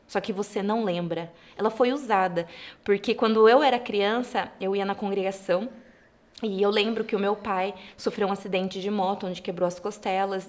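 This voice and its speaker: A woman's voice: medium pitch, darkish tone. A woman with a Brazilian Portuguese accent sharing a personal faith testimony in casual podcast conversation, quoting her own past thoughts.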